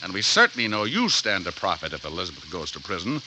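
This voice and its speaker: An actor playing a dry, sardonic private detective who also narrates, in a 1940s radio drama. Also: male voice, low voice, wildly swooping pitch, fast talker, bright, forceful tone, a little hiss or hum, heavily acted, low-quality recording. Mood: wry. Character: wisecracking tough male private eye. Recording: old radio broadcast with music underneath.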